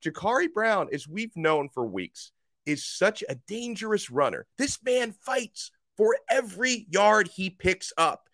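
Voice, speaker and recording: A man hosting a college football podcast, slightly hoarse, talking with emphatic energy that rises toward near shouts. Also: high voice, very animated, a little slow, no echo, studio quality. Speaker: sports podcast host. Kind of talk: college football talk with ad read. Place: radio studio.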